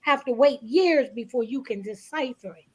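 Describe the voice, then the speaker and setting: A woman guest speaking reflectively in a panel interview, with emphatic, deliberate phrasing and pauses. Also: high-pitched, a little mellow, slightly rough. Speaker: stage play cast member, guest.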